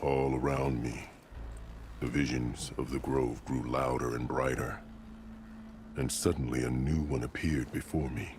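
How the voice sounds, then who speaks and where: An actor playing a stern, proud tribal warrior chief in a video game, speaking in a solemn, formal, measured way. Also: male voice, very deep voice, flat delivery, background noise. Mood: solemn storytelling. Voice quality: gravelly. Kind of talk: dramatic video game acting. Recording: loud music behind the voice.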